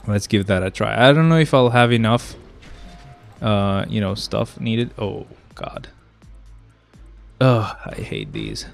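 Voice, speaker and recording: A man's voice: on the low side, vocal fry. Young man, stuffy cold nose, casual streamer chat, exasperated, faint background music. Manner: chatty, easily exasperated, talks to chat. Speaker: game streamer.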